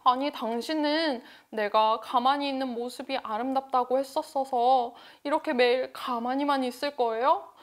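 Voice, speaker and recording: A woman voicing fickle storybook husbands who propose with flattery and later complain politely. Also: high-pitched, moderate pace, hardly any pauses, natural voice. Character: smitten husbands, fickle grown men.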